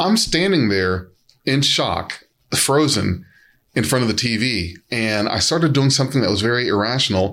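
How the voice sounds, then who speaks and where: With a normal speaking voice, a man in an American accent talks at a moderate pace and medium pitch, his intonation lively. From US Midwest. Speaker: podcast host. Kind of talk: casual chat.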